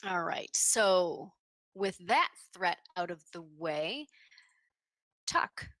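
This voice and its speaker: Lady running a tabletop game, bright low-ish voice, dry close sound, vivid action narration. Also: expressive, very slow, no echo. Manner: vivid, descriptive narration with casual fillers. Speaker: game master.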